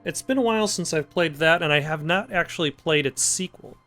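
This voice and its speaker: A man's voice: on the high side, a little fast, pushed and bright. A man hosting a casual gameplay commentary with dry, joking asides. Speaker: gameplay host. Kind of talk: casual let's play commentary. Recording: game music behind the voice.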